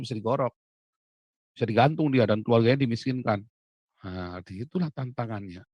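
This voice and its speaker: A male pastor giving an animated teaching talk, swinging between loud and hushed. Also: medium pitch, no room sound, muffled recording. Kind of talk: sermon-style teaching talk.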